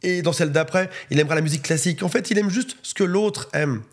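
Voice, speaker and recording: A man's voice: a little high, fast. A male relationship coach giving chatty advice straight to the viewer, with joking asides. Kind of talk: advice monologue to camera.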